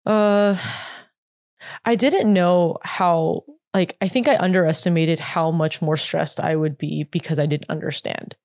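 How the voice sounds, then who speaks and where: A woman in her late twenties speaks casually in a slightly low voice, recorded close and dry. She wanders through her answers with many fillers and restarts. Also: fairly even intonation, a little mellow, dry recording. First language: English. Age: 20s. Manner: halting, full of "like" and restarts. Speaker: interview guest, former K-pop idol. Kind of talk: casual interview talk.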